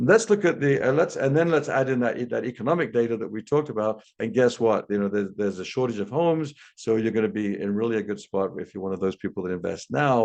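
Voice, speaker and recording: Speaking with an English accent, a man with a medium-pitched voice talks at a very fast pace with hardly any pauses. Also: ordinary pitch variation. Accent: English accent, noted by himself. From England. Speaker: new home sales trainer. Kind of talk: webinar presentation. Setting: webinar video call. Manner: halting, many repetitions and fillers.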